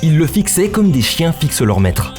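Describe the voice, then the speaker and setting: Male narrator, fairly high pitch, dramatic scripted storytelling, clear music bed. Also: very animated, moderate pace, a little mellow. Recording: music behind the voice.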